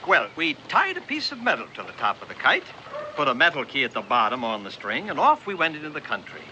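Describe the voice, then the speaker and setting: An actor playing a genial, wise older male printer with a lively, lightly humorous manner in a television drama. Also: medium pitch, quick pace, slight background noise, heavily acted, poor audio. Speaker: Benjamin Franklin figure.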